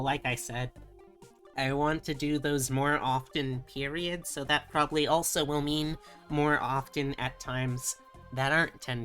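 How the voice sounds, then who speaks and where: A woman live streamer chatting casually with her viewers, rambling and thinking aloud in a halting way. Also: rumbling low, a bit bright. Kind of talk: casual chat with livestream viewers.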